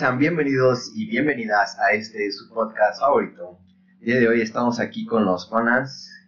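A man with a Mexican accent speaks with lively intonation over noticeable background noise. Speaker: podcast host. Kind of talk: casual chat.

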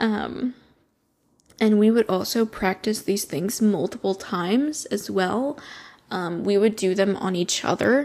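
This is a woman with a plain, everyday voice at a medium pitch. She talks at a fairly slow pace with ordinary pitch variation. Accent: American. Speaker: esthetician and podcast host. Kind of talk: casual solo chat.

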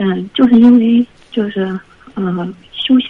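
Noticeable background noise is present throughout. A woman talks at a fairly slow pace. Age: 30s. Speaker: caller seeking advice on family conflict. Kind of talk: phone-in advice call. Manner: halting, many fillers.

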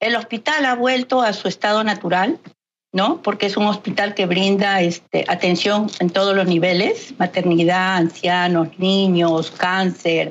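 Keeping her loudness very even, a woman speaks at a fairly slow pace in a plain, everyday voice at a medium pitch with ordinary pitch variation. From Peru. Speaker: hospital cleaning worker. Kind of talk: interview.

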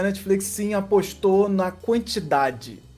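Music plays in the background as a man speaks. His pitch is high and his pace fairly slow. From Rio de Janeiro, Brazil. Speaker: podcast host and creator of the channel. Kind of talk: casual panel discussion.

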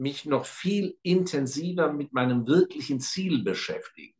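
The man talks at a very slow pace with lively intonation. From Germany. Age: 60s. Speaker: value investor. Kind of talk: interview.

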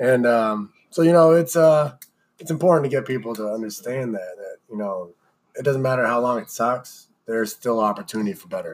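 A man with an American accent and a normal speaking voice, at medium pitch, with ordinary pitch variation, a fairly quick pace and big swings in loudness. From Massachusetts. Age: 30s. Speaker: charity cyclist, military veteran. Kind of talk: interview.

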